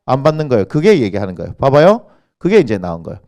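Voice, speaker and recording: A man's voice: mid-range voice, sing-song, quick pace, darkish tone. A male senior pastor, preaching a sermon in a church and quizzing the congregation with rhetorical questions. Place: church sanctuary.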